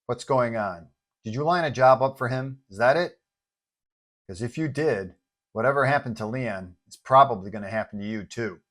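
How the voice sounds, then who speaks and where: A man's voice: mid-range voice, moderate pace, fairly bright tone, natural voice. A man voicing a confident, well-meaning superhero who talks in a breezy, colloquial way in an audio story. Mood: confident, wry.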